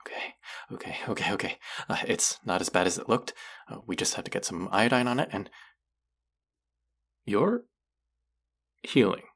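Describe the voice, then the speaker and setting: A man acting an earnest, gently wry thousand-year-old immortal in an intimate audio roleplay, speaking in a hesitant, confiding way. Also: on the low side, animated, normal speed, long pauses, husky, full character voice. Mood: stunned, anxious. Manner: hesitant, confessional, softly reassuring.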